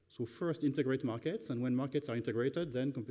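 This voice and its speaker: A man speaks with a French accent and a dark, mellow tone. His pitch varies in an ordinary way against a quiet background. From France. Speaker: competition regulator; panellist. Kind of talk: panel talk. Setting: conference stage with audience. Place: hall. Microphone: podium.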